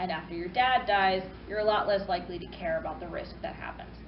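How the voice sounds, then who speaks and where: A woman with an American accent, amid noticeable background noise and audible room echo. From Oklahoma. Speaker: therapist and convention panelist. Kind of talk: convention panel talk. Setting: convention panel room with audience. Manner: fast.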